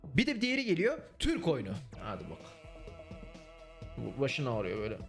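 A man's voice: medium pitch, huge pitch swings, moderate pace. A young man, chatting casually with his stream viewers in a blunt, swearing manner. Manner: blunt, swears and mocks freely. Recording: faint music underneath.

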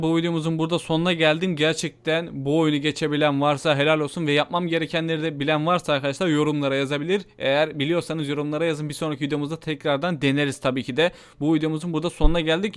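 A man with a Turkish accent doing casual let's-play commentary, excitable, repeating his own phrases and talking to viewers. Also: fairly high pitch, clear, resonant tone. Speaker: gaming YouTuber.

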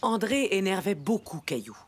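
A woman narrating a scripted children's story in an expressive, clearly phrased storyteller's manner. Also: mid-range voice, normal speed. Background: music.

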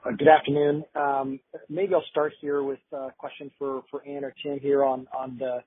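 A man questioning executives on a conference call as a financial analyst, halting and often repeating words. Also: medium pitch, little pitch movement. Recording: muffled narrowband phone line.

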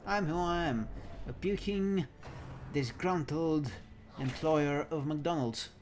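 A man's voice: on the high side, takes it slowly, faint music behind. A man giving playful let's play commentary in a theatrical, mock-genteel manner with a put-on accent. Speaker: gamer commentating own play.

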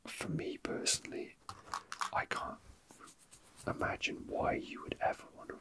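Close to the mic, a man hosting ASMR videos whispers in a soft, breathy way. He speaks casually and without a script, often pausing and hesitating.

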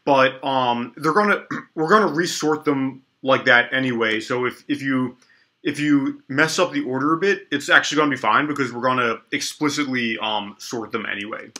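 In a small indoor room at his desk, a young man records a casual coding tutorial, his voice a little stuffy and sniffly from allergies. At medium pitch and moderate pace, he sounds bright and forward, relaxed as he thinks aloud while typing, stumbling and restarting with lots of ums.

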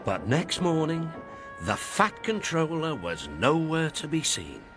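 A man with a British accent narrating a children's storybook in a gentle, measured way. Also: a little high, big pitch swings. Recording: music playing behind.

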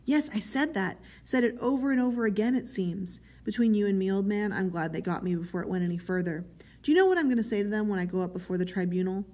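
A woman's voice: medium pitch, fast, a little mellow, lightly acted. Woman voicing a pleading, servile, chummy man. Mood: sanctimonious. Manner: pleading, self-justifying, chummy. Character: pudgy, eager, servile middle-class man, miserable yet proud.

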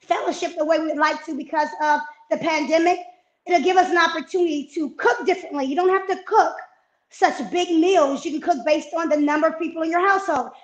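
A woman in her fifties on a video call from her home kitchen, giving healthy eating tips in an energetic, coaching way. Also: very high-pitched, fairly quick, echoey room, poor audio. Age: 50s. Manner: energetic, coaching, emphatic repetitions. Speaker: fitness and nutrition guest. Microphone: wireless earbuds on a video call.

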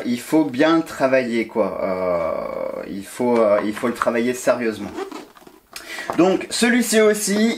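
At home in the middle of a move, a tarot and oracle card YouTuber sorts through boxes of oracle decks while vlogging casually to his viewers. His medium-pitched voice is chatty and enthusiastic, with plenty of fillers and restarts, and there's slight background noise.

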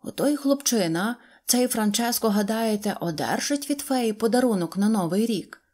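A woman voicing a shy little rag toy dog, mellow and eager. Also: on the high side, expressive, normal speed. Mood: earnest.

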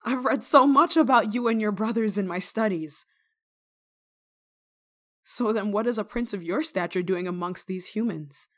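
A woman playing a kindly, rule-breaking nun in an ASMR roleplay, speaking to the listener in a gently teasing, caring manner. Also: medium pitch, normal speed, long pauses, natural voice. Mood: amused teasing. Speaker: roleplay voice actor.

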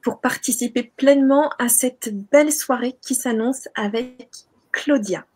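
A woman's voice: sits high, measured pace, darkish tone. Woman hosting a live online interview. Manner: welcoming, addresses the chat audience directly. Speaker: host. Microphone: video call.

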